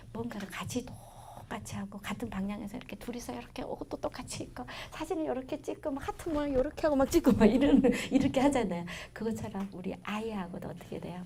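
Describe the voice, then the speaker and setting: A middle-aged woman with a regional Korean accent giving a parenting lecture, telling stories in a chatty way that swings between loud bursts and soft asides. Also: medium pitch, vocal fry, a little hiss or hum. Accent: Korean regional dialect.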